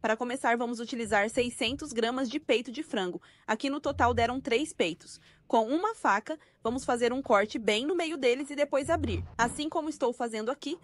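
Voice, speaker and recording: A woman's voice: high-pitched, no room sound. A Brazilian woman reading a scripted cooking tutorial as a voice-over. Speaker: recipe video narrator.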